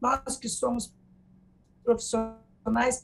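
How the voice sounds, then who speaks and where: This woman's voice sits high in pitch. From Brazil, São Paulo interior then Maranhão; Brazil. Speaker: president of a women's charity institute; interview guest. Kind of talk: TV interview. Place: home room. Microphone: video call.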